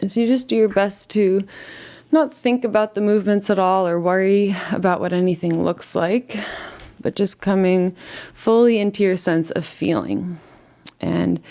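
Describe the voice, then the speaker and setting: A woman guides a relaxation meditation in a gentle, soothing, unhurried manner, leaving long pauses between phrases. Her voice is lowish and creaky.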